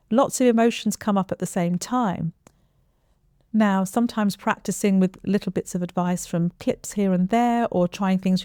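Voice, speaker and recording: A middle-aged woman presents an educational talk as a therapist would, measured and explanatory. Her voice sits at an average pitch with a dark, relaxed tone. It is captured on a lapel mic with very little room sound. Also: dry recording, clean studio sound. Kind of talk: informal educational explainer to camera. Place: small indoor room with armchair.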